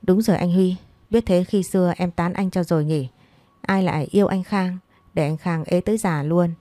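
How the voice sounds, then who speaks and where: A woman voicing a sharp-tongued, playful young woman who scolds her boyfriend with quick retorts in a storybook. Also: on the low side, no echo, close to an everyday voice. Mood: sassy.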